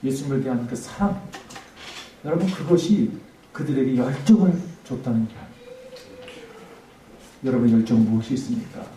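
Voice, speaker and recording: A man's voice: mid-range voice, animated, normal speed, long pauses. Impassioned male pastor in an echoey hall. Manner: impassioned, rising to emphatic peaks then dropping to hushed tones. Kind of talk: revival sermon. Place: church sanctuary. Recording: echoey church hall, mic at a distance, faint noise.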